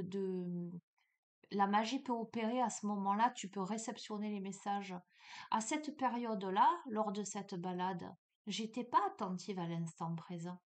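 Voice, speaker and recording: Middle-aged woman, spiritual guidance host, middle pitch, casual and animated storyteller, filler-heavy, talks straight to the viewer. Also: normal speed. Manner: chatty, animated, many fillers, addresses listener as tu.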